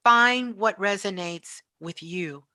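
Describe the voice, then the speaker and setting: A woman's voice: mid-range voice, takes it slowly, sharp tone, no echo, studio quality. A woman hosting casual, motivational spiritual talk, repeating phrases for emphasis. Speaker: spiritual radio show host.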